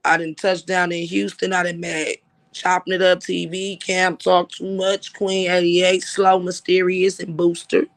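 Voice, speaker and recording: High-voiced man ranting on a livestream. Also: monotone, a little slow, vocal fry, a bit bright. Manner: emphatic, profane, repeats "like I said". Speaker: livestream host. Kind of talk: casual livestream talk.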